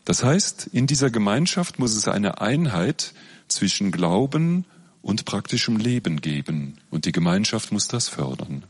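A man giving a public lecture in a measured, explanatory way. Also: on the low side, very animated, husky.

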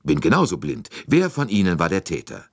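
Man doing a brash american private eye, drawly and blunt, raspy underneath. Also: low-pitched, huge pitch swings, brisk, pitched above the performer's own voice, heavily acted. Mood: resigned.

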